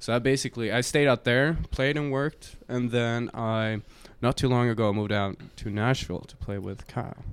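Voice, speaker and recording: A man with a Swedish accent speaks at a moderate pace in a medium pitch, his intonation fairly even but his loudness swinging widely. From Sweden, Gothenburg. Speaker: drummer. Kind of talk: interview.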